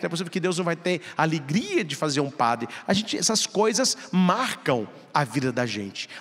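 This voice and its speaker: A Brazilian priest preaching a lively homily, his voice sitting a little high for a man. He tells stories with vivid, acted-out voices. The sound rings with the long reverb of a large church. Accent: Brazilian Portuguese. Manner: animated storyteller, acts out voices in anecdotes. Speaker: Catholic priest. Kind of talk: sermon.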